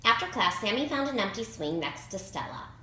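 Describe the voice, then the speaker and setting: A woman reading a children's picture book aloud in an expressive, emphatic way. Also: medium pitch, a little fast. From United States. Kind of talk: read-aloud storybook narration. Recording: roomy echo, clear background noise.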